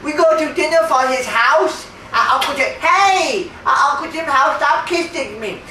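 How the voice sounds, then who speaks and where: A woman playing an earnest, childlike oddball who rambles haltingly and repeats words in a comedy sketch. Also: high voice, expressive, pushed and bright. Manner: halting, repetitive, groping for words. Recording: echoey room, distant mic, faint noise.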